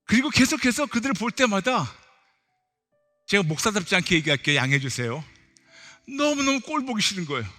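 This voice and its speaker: A male pastor preaching a sermon with emphatic, repetitive, animated storytelling. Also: high-pitched, brisk, long pauses. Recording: long hall reverb, faint music.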